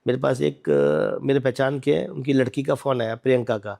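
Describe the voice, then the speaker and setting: A male doctor telling a story in an interview, animated and acting out the dialogue, with English words mixed into his speech. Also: medium pitch, normal speed, gravelly.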